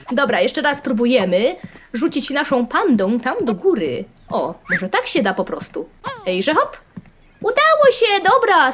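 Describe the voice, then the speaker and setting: A woman with a Polish accent hosting a gaming channel, narrating a browser game playfully and excitably, with sudden squeals and sing-song chants. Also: high voice, a little hiss or hum.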